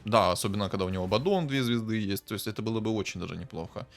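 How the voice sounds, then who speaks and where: A streamer talks his way through a match in a rather low voice, musing aloud and now and then flaring up with excitement. Faint music plays under his commentary. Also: racing. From Ukraine. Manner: thinking aloud, casual, bursts of excitement. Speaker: game streamer. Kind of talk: casual game commentary.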